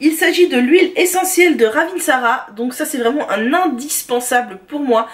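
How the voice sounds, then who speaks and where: A woman vlogger enthusiastically reviewing her favorite products in a chatty, casual way, often pausing with "euh". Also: sits high. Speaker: beauty and lifestyle vlogger. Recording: voice distant from the mic.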